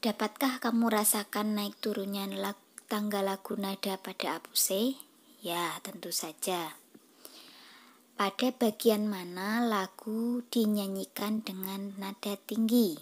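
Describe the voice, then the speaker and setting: Woman teacher, unhurried and hushed, patient with children, mid-pitched. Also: steady tone. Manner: slow, patient, addresses children directly. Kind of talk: reading a schoolbook lesson aloud and singing.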